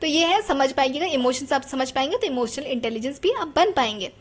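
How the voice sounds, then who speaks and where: A woman's voice: high voice, lively intonation, a little fast. A woman gives a psychology lesson. She talks in a chatty way and keeps putting rhetorical questions to her students. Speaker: teacher.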